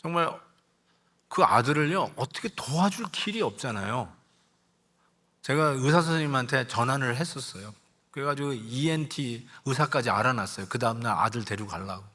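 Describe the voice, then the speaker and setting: A man's voice: mid-range voice, animated, normal speed, sharp tone. Older male pastor telling an emotional story. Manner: emotional, conversational storytelling that acts out quoted lines; mixes in English words. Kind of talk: sermon with personal storytelling.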